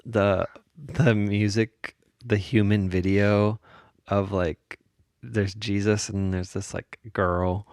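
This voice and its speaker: A man's voice: lowish voice, steady tone, takes it slowly, a little mellow, no echo, clean studio sound. An American man co-hosting a podcast, telling stories in casual comedic banter. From United States. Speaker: podcast co-host.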